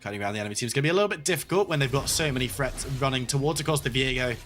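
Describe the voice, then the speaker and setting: A man calling play-by-play for a competitive video game match, talking in a steady, flowing way with some playful banter. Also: medium pitch, rapid-fire, faint music behind. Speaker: esports play-by-play caster.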